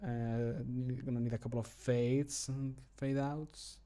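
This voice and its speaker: A man in his thirties talks casually to a livestream from a small room at home. His voice sits at a middle pitch, and he rambles loosely from one thought to the next. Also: level tone, a little slow, warm tone. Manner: rambling, easily sidetracked, chuckles often. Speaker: livestreamer and mod maker. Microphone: microphone at a desk, streaming.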